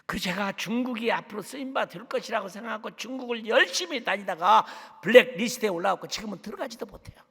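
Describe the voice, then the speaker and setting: A man preaching a sermon as a guest missionary, fervent, dropping to hushed tones and rising to shouts. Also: high-pitched, lively intonation, fast talker, vocal fry, few pauses, husky. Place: church sanctuary. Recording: long church hall reverb.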